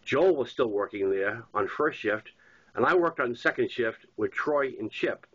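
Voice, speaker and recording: Male author-narrator, Boston accent, nasal congestion from a cold, informal storytelling read, dull low-fidelity sound. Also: animated, unhurried, fairly bright tone, slightly rough. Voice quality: congested, stuffy nose. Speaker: author reading his own novel. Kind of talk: narrated memoir-style audiobook reading. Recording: dull lo-fi recording.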